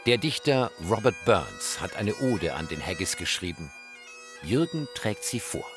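A man with a fairly low voice narrates a television news feature, his delivery lively and swinging in pitch. Bagpipe music plays clearly under his scripted voice-over. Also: measured pace. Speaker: news reporter.

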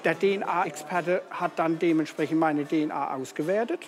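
A man from the Palatinate, the organizer of a festival, talking in a relaxed, chatty way in an interview. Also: on the high side, normal speed. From Palatinate, Germany. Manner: relaxed, chatty, with tag questions. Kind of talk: casual interview. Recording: noisy crowded festival. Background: bagpipe music and crowd chatter.

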